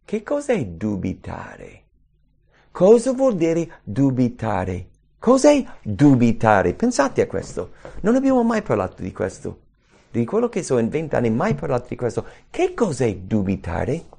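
A man preaching a sermon in an animated way, who acts out anxious inner voices. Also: medium pitch, normal speed, gravelly.

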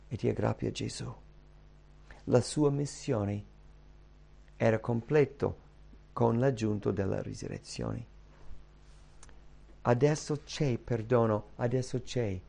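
Gravelly-voiced preacher, dramatic sermon. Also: male voice, mid-range voice. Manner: dramatic, swings from hushed to loud emphatic cries.

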